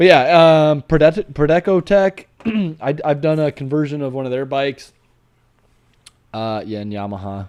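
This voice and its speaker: A man with a Chicago accent speaks at a moderate pace, his pitch fairly high and his intonation lively. His loudness swings widely, and the sound is dry and close with no echo. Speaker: e-bike builder and live stream co-host. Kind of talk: casual live stream chat. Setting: live stream.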